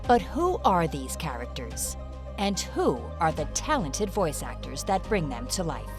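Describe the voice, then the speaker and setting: A woman's voice: low voice, very animated, measured pace, music in the background. A woman delivering scripted video essay narration in a polished, presentational manner.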